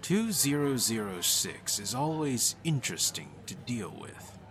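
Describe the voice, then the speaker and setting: A man's voice: mid-range voice, sing-song, unhurried, background noise. A man voicing a friendly, easygoing senior researcher in a spoken story. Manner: easygoing, warm and playful.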